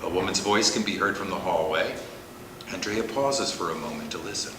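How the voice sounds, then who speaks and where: Low-pitched man reading stage directions. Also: fairly quick. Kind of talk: scripted narration. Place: echoey room at a table read. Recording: echoey room with clear noise.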